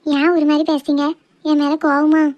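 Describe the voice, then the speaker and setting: A woman's voice: sits high, monotone, moderate pace, a little mellow, close to an everyday voice. A woman playing a sweet, easily wounded young girl in love in a cartoon drama, with a southern Tamil Nadu accent. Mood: puzzled, pleading.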